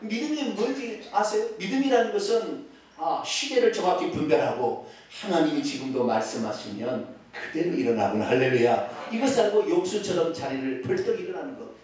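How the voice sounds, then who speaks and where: A man preaching a sermon as pastor, with a regional Korean accent, swinging between loud exclamations and hushed asides. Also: on the high side, fairly quick. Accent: Korean regional dialect. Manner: animated preaching with sudden loud exclamations and drops to near-whispers. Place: church sanctuary. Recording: echoey church sanctuary, from far off.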